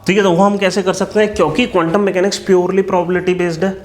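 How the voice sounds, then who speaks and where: Guy from india teaching an online class, kinda high voice, keeps asking the class questions. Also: flat delivery, racing. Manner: explains patiently, asks students questions.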